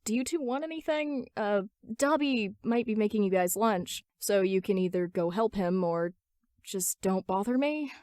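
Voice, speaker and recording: A woman's voice: medium pitch, expressive, normal speed, darkish tone, no room sound, clean studio sound, natural voice. A woman voicing a mild, busy teenage boy barista in a story reading, hesitant and sometimes stammering. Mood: flustered.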